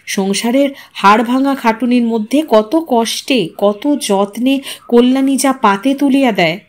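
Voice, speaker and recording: A woman reading a literary short story as a scripted, expressive audio narration. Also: sits high. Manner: acts out the characters' dialogue.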